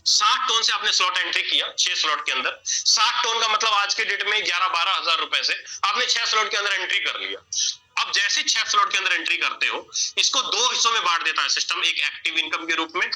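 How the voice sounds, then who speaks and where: Male explainer, high pitch, piercing bright tone, repetitive whiteboard walkthrough. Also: lively intonation, a little fast, faint music behind, rough recording. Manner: repetitive, addresses listener as sir. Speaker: presenter explaining an earning plan.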